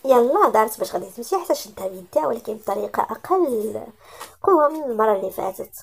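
A woman's voice: on the high side, lively intonation, fast, vocal fry, husky. A woman with a Moroccan accent narrating a romance story and speaking directly to her listeners.

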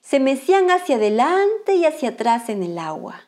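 A woman reading a picture book aloud to children in a bright, sing-song, expressive manner. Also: sits high, normal speed. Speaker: children's storyteller, channel host.

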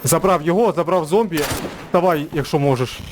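A man's voice: a little high, brisk, background noise. A man on gaming voice chat, giving tactical callouts and swearing often. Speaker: gamer.

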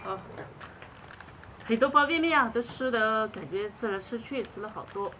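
A woman's voice: fairly high pitch, moderate pace, very noisy. A young woman chatting casually outdoors in a rural yard, an easygoing food vlogger. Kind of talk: casual chat.

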